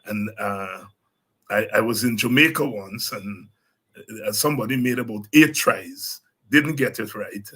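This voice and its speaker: Husky Guyanese man, lively host. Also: fairly low pitch, unhurried. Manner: animated, laughing asides, frequent restarts. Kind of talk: casual political commentary.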